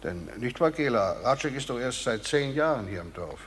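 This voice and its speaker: A man acting in a German radio drama as a stern justice official, speaking with formal, deliberate authority. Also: mid-range voice, lively intonation, a little hiss or hum, lightly acted. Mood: formal, probing.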